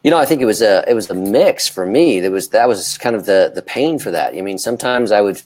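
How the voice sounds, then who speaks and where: A man co-hosting a casual panel discussion, talking in a halting way and often repeating words as he goes. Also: fairly low pitch, lively intonation, a little mellow. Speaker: talk show co-host.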